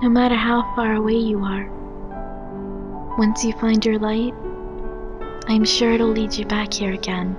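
A caring, wistful young video game heroine, played by a woman. She speaks gently and slowly in a fairly high voice, with clear music underneath. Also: little pitch movement, natural voice. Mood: gentle, concerned. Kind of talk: game fan dub acting.

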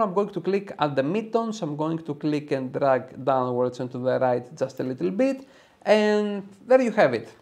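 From a small room set up as a home studio, a photo editing tutorial host from Greece walks viewers through each step with enthusiasm. He is in his thirties, has a Greek accent, and his voice is fairly high and slightly mellow.

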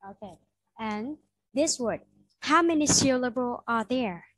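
A woman's voice: on the high side, expressive, slow pace, fairly bright tone, a little hiss or hum, poor audio. A woman with a Vietnamese accent tutoring English pronunciation online, patiently modeling words and repeating them for her student.

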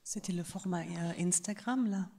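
A woman panelist making soft, offhand remarks in a discussion. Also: lowish voice, moderate pace, gravelly. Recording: distant mic with faint hiss.

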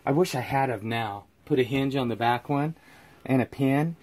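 A man's voice: medium pitch, moderate pace, darkish tone. A middle-aged man, host of a homesteading channel, chatting casually and explaining as he works in a small shed. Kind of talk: casual chat while working. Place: small metal-walled shed and outdoor yard.

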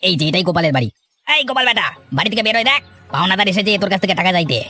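Guy playing a smooth talking cartoon village cheat, sly n eager, highish voice, music under. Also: expressive, very fast, bright, forceful tone. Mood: aggressive, defensive. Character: ambitious, two-faced village man who swindles neighbours. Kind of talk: dramatic cartoon voice acting.

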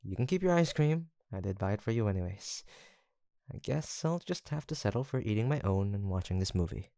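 A man playing a gentle, teasing young college roommate in an intimate audio roleplay, with a soft-spoken, hesitant manner. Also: lowish voice, animated, a little fast, gravelly, no echo, clean studio sound. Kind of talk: intimate boyfriend-style roleplay acting, one-sided conversation.

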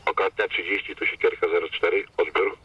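Low-voiced man over a field radio. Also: level tone, fairly quick, breathy edge, highs cut off. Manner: clipped military radio call-and-reply. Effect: heard over a field radio. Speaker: radio operator. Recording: distant noisy radio transmission.

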